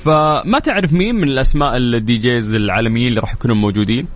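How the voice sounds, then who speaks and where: A man's voice: mid-range voice, very fast. A man hosting a radio call-in show, breezy and joking as he runs a contest and promotes an event. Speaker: radio host. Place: radio studio.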